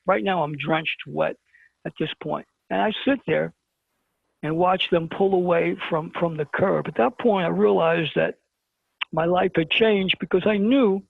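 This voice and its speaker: Gravelly Brooklyn man on a phone line. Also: sits high, no echo. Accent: New York (Brooklyn). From Brooklyn, New York. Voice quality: gravelly, husky voice. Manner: animated storyteller who acts out dialogue. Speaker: guest. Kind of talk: telling a personal story on a talk show. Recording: tinny phone-line call-in.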